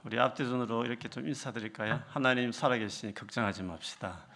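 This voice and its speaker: A man's voice: mid-range voice, quick pace, a bit bright, a little hiss or hum. A man in his fifties, a visiting missionary, greeting a church congregation in a chatty, self-deprecating way. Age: 50s. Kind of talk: sermon greeting.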